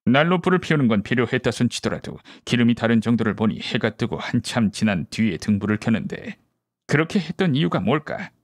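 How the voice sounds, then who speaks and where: A man performs a brisk male detective from an audiobook mystery. He lays out deductions methodically and gives orders with assurance. The voice sits at a medium pitch in a dry, close sound. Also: animated, dry recording, close to an everyday voice. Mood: analytical, assured. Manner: deductive, explanatory, commanding. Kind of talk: audiobook character dialogue.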